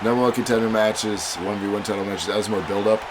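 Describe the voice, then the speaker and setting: A man's voice: lowish voice, fairly even intonation, fast talker. A man with a stuffy head cold, hosting a livestream, chatting casually with viewers and calling matches. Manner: chatty, reads donations and chat aloud. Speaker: livestream host and commentator. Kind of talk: casual stream chat with match commentary. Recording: loud music and crowd behind. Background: loud game music and crowd noise.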